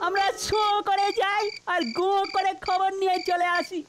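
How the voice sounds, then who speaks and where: A woman's voice: extremely high pitch, level tone, normal speed, noisy background. A woman voicing an eager young village boy in a cartoon, chirpy and keen. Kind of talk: cartoon voice acting.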